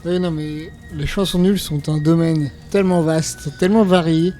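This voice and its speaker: A man's voice: a little high, steady tone, normal speed, mellow, soft background music. A man on his first podcast appearance, chatting casually and eagerly. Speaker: first-time podcast guest. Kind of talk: casual chat.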